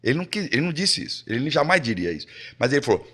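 Lively Brazilian man telling animated stories. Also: mid-range voice, very fast, husky. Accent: Brazilian Portuguese. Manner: lively, swears, acts out quotes. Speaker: guest. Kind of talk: animated storytelling.

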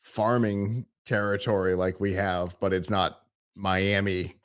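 Man, host, somewhat low voice, relaxed, conversational, restarts, studio mic. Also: slow, smooth. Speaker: tech show host. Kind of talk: interviewing a guest. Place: studio with a screen behind.

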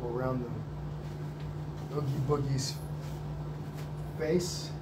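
Male painting instructor, sniffly, relaxed and encouraging, off-camera mic with noticeable background noise. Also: medium pitch, takes it slowly. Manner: relaxed, encouraging, reads out viewer comments. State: sniffly, slight cold. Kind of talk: live-streamed painting lesson. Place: indoor art studio.

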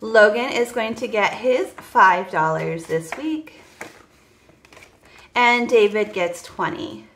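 A woman's voice: mid-range voice, animated, takes it slowly, a bit bright, echoey room, slight background noise. A woman in her forties, chatting casually to viewers about her budget while counting cash at a table. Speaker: budgeting vlogger. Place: indoors at a table. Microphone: voice heard over top-down table camera, hands only.

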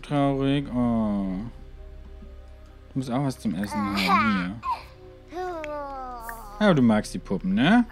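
Over music, a man with a mid-range voice provides gaming commentary for a let's play, very animated yet slow-paced, with long pauses. He talks casually to his characters, muttering asides and exclaiming often.

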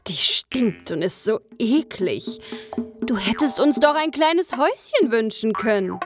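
A woman's voice: very animated, a little slow, over music. A woman playing a whiny, greedy fisherman's wife. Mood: coaxing. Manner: whiny, coaxing, high and sing-song. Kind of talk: radio play acting.

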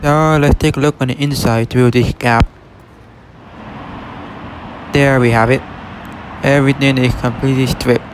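A retail exploration vlogger narrates a casual walkthrough outside a closed shop on a city street, filming on a handheld phone. His medium-pitched voice is steady and a little slow, with long pauses and plain, simple remarks. Faint street and car noise sits in the background.

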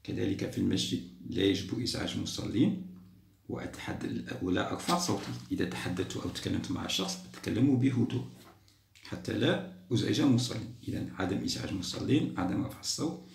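Low gravelly guy walking little kids through a test, patient, lots of praise, echoey room. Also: fast talker. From Algeria. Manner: patient, repeats and praises pupils. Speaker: primary school teacher. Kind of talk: explaining a school test to children.

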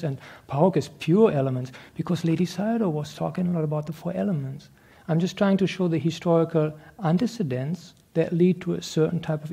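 Brief: husky, higher-pitched male teacher, earnest lecture Q&A, laughs easily. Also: dark tone. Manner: earnest and explanatory, laughs often. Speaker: meditation teacher answering questions. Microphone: handheld microphone passed around the room.

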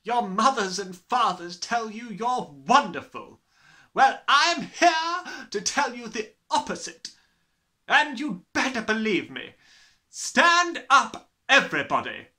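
A huge, hateful storybook headmistress, barks at children with open disgust. The voice leaps high and loud, hard and piercing, leaning slowly on each contemptuous word. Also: male voice, big pitch swings, full character voice. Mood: contemptuous, commanding. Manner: barking, slow emphatic contempt. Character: gigantic, tyrannical, disgusted middle-aged headmistress, barking and contemptuous.

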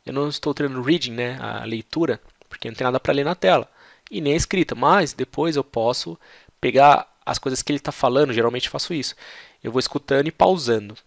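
A man's voice: medium pitch, a little fast, gravelly, dry recording. A Brazilian Portuguese-accented man talking into a headset mic, explaining study tips step by step in a chatty, upbeat teaching vlog. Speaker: English-learning vlogger. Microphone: headset microphone.

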